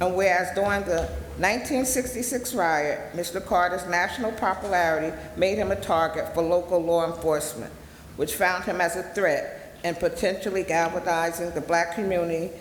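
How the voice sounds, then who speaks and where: A woman with an American accent speaks at a fairly low pitch with ordinary pitch variation, over noticeable background noise and audible room echo. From New Jersey, Paterson. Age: 60s. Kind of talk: reading aloud. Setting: city council meeting. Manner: halting.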